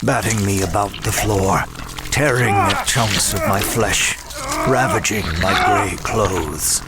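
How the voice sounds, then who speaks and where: A man playing a broken, self-loathing demon who narrates a horror audio drama in a grave, measured way. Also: on the low side, heavy background noise. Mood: weary anguish. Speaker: first-person narrator.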